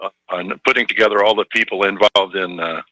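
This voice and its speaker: Guy calling in on his computer headset, line keeps cutting out, bright dry sound, stops and restarts a lot. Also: deep voice, steady tone, no echo, rough recording. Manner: halting, restarts often. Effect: headset connection cutting in and out. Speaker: caller. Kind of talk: call-in radio conversation. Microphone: computer headphones.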